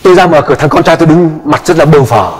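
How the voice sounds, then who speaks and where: Male pastor, high-pitched, impassioned sermon, acts out voices, long hall reverb. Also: fast, husky. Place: church.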